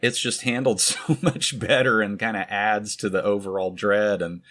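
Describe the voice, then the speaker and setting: A man's voice: lowish voice, fairly even intonation, normal speed, a bit bright. A man co-hosting a podcast, chatting casually about a film, joking, laughing often and trailing off into rambling asides. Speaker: podcast co-host. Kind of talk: casual film-review chat.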